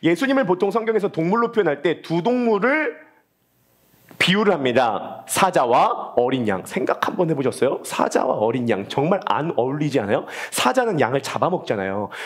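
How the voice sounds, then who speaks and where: A high-pitched male voice, animated in tone, with very wide pitch swings and very even loudness. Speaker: preacher. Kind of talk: sermon. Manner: fast.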